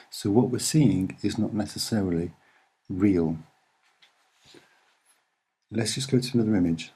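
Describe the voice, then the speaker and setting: Male amateur presenter, soft and unhurried, husky edge, deliberate off-the-cuff explanation in short phrases. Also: lowish voice. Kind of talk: unscripted soft-spoken commentary over images.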